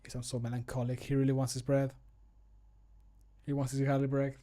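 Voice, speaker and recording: A man's voice: mid-range voice, completely flat delivery, a little fast, warm tone. A man in his thirties chatting casually as a streamer, joking and poking fun at himself, with the odd swear word. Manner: joking, self-mocking, sweary. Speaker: streamer recording mod voice lines. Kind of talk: casual chat to viewers. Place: small room at home, indoors.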